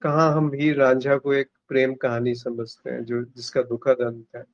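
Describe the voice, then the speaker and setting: A man leading a spiritual satsang, speaking in a reflective, contemplative way with long pauses. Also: mid-range voice, monotone, dry recording, dull audio.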